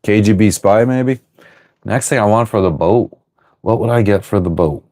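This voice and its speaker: A man hosting a casual livestream from his sailboat, reading viewer comments aloud and rambling through relaxed answers. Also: fairly low pitch, normal speed. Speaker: livestream host answering chat. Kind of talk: casual live chat. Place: on board a sailboat.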